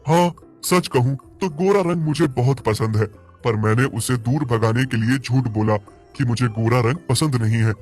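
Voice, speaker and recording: A man voicing a jealous, grumpy black bull with a soft heart in a cartoon story, speaking in an emphatic, indignant manner. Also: medium pitch, normal speed, faint music behind, lightly acted. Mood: regretful. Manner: indignant, scolding, emphatic questions.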